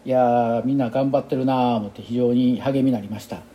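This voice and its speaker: The recording is muffled, carrying a mid-range male voice with fairly even intonation at a slightly quick pace. He is an exercise instructor in his sixties with a Kansai accent, musing in a rambling, chatty casual monologue.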